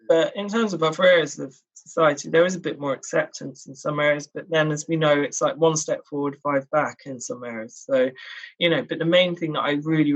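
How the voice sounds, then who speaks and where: A man talks as a guest in a relaxed interview. His voice sits a little higher than usual for a man. He is reflective and earnest, often pausing on "you know" and "um" while he works through a point. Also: muffled recording. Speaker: interview guest, public speaker. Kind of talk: casual conversational interview.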